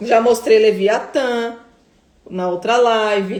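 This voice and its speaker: The woman's voice sits at a fairly high pitch. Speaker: pastor. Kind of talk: live stream teaching. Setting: Instagram live.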